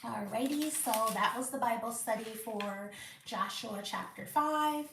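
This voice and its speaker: A woman hosting a live Bible reading and study, reading aloud slowly and carefully with small slips and restarts. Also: a little high, vocal fry, fairly bright tone, reverberant, slight background noise. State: out of breath.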